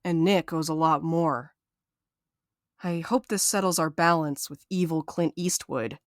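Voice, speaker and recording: A woman's voice: deep voice, measured pace, no echo, clean studio sound. A woman acting in an audio drama as a blunt, sarcastic young postal worker with a brash manner. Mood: sardonic. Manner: brash, sardonic.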